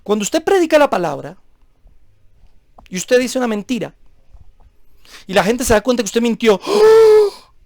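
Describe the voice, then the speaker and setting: A man's voice: very high voice, very animated, normal speed, gravelly, long pauses, dry recording, studio quality. A man preaching a sermon as a pastor, emphatic and full of rhetorical questions.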